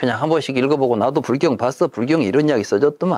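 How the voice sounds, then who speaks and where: A man is heard against a quiet background. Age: 70s. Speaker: Buddhist lecturer, retired professor. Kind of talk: lecture. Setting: dharma hall with live and Zoom audience. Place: hall. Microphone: handheld.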